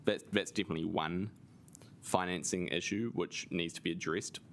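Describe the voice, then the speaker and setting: A man's voice: sits low, fairly even intonation, moderate pace, slight background noise. A man, presenting as a council officer in a formal meeting, polite and careful. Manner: polite, careful, a little hedging.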